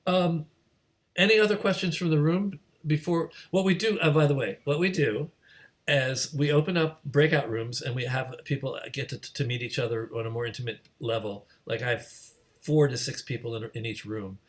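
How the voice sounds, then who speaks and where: Man, mid-range voice, online host, casual moderation, halting, repetitive phrasing. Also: mid-range voice. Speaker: host of an online community gathering. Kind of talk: casual moderated video-call discussion. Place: remote video call.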